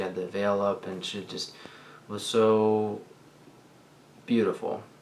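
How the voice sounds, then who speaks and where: At a very slow pace, a man speaks amid noticeable background noise and audible room echo. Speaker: vlogger. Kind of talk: storytime vlog monologue. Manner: halting, many fillers.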